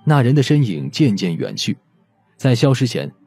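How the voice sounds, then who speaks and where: A man narrating an audiobook story in an expressive, scripted storytelling style. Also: medium pitch, normal speed, vocal fry, slightly rough, no echo. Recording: music behind the voice.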